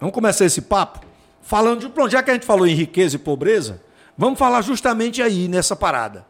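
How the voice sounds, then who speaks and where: The delivery is very fast, with very wide pitch swings. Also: man. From Paraíba, Brazil. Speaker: podcast host. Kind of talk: casual chat. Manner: animated.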